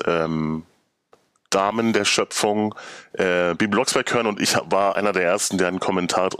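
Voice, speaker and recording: Tiefer, trocken aufgenommener Mann im Plauderton. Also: male voice, deep voice, fairly bright tone, dry recording, studio quality. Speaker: podcast guest. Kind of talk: casual chat.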